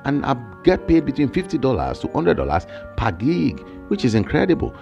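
A man in his thirties with a Nigerian accent, explaining online work ideas in an energetic, emphatic way, recorded close on a studio mic in a small home studio. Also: medium pitch, brisk, vocal fry, dull audio, faint music behind. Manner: animated, emphatic, gestures with hands. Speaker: online income creator. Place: small home studio with shelves and plants, indoors. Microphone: large studio mic on a boom, close.

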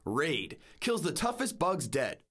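A man voicing a brisk, confident announcer in an advertising voice-over. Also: a little high, huge pitch swings, a bit bright, pitched below the performer's own voice, exaggerated voice.

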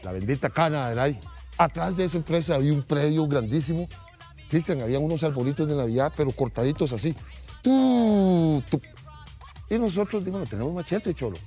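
Animated Costa Rican man telling stories. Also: on the high side, fast talker, faint music behind. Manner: animated, acts out voices in his stories. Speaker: guest storyteller. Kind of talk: casual anecdote telling.

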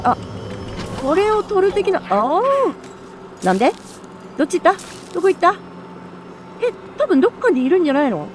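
A woman streamer giving excitable, chatty commentary while playing a video game, full of quick exclamations. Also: very high voice, a little hiss or hum. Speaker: let's play streamer. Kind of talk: live gameplay commentary.

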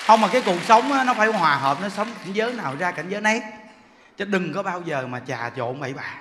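Animated high-voiced monk telling ghost stories. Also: male voice, quick pace, in a large hall, crowd noise, noisy background. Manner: animated, laughing, acts out frightened cries. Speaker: Buddhist monk teacher. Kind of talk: storytelling dharma talk. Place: temple hall.

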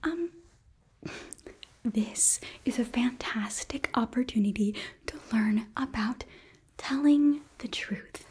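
A young woman voicing a sweet, earnest demon princess in an ASMR roleplay, breathy and often whispering, with nervous, eager optimism. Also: fairly high pitch, slow pace, a little mellow, heavily acted. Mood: gently coaxing. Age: young adult. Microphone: close microphone.

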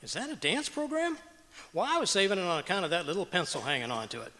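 A man's voice: high-pitched, wildly swooping pitch, fast, bright, forceful tone, full character voice. A man playing a boastful, bumbling, cheerful husband with folksy wisecracks in 1940s radio comedy style. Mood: sheepish, cheerful. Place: auditorium stage, live performance. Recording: reverberant auditorium stage.

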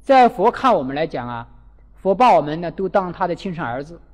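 A man with a notably high voice delivers a Buddhist sermon in an animated storytelling manner, acting out the people in his tales. His voice carries a long reverb, as if he is speaking in a large hall. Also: a little fast. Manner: animated, acts out quoted characters. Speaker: Buddhist dharma teacher.

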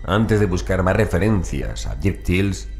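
A man with an extremely low voice narrates a horror story. It is a scripted audiobook reading with music playing behind him. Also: sing-song, measured pace, gravelly.

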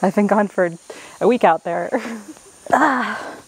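Speaking slowly in a husky, medium-pitched voice with no room sound, a young adult woman vlogs her rainforest trip. She's chatty, playful and self-mocking. The casual vlog was recorded noisily outdoors in the jungle, with insects and jungle ambience.

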